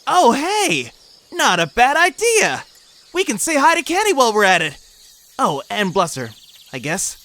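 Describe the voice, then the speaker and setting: A woman's voice: a little high, huge pitch swings, measured pace, fairly bright tone, heavily acted. A woman playing an easygoing young cartoon ape in a fan audio drama. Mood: casual.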